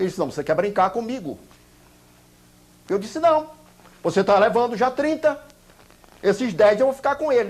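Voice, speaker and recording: A high-pitched man at a moderate pace, lively in intonation, with long, frequent pauses. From Brazil, Recife (Northeast). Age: 60s. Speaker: TV actor and lawyer. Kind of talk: interview testimony.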